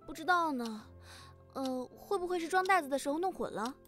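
Woman playing caring bossy kid sister, high girly voice, audio drama w music under it. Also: lively intonation, fairly quick, fairly bright tone. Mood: gentle, practical. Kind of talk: fan audio drama acting. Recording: music behind the voice.

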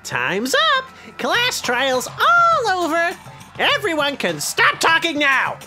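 A man's voice: extremely high pitch, wildly swooping pitch, slow, heavily acted. A man voicing a gleeful, sadistic robot bear headmaster in a video game, in a gloating, sing-song way. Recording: game audio over loud music.

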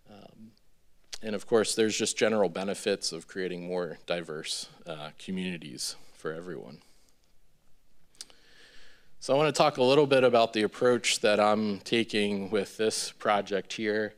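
A man in his thirties giving an informal presentation as a developer, in a halting, hesitant way with many ums. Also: lowish voice. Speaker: real estate developer presenting a project. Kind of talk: informal public presentation with slides. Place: large indoor meeting room with seated audience. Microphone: podium gooseneck microphone.

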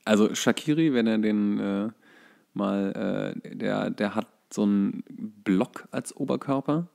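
A man with a low voice and plenty of vocal fry. He co-hosts a casual football chat and talks hesitantly, feeling around for the next word. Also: a little slow, a little mellow. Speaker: podcast co-host.

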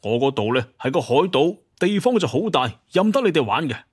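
A man's voice: fairly high pitch, big pitch swings, brisk, breathy edge. A man playing an eager, coaxing young opportunist in a Cantonese audio drama.

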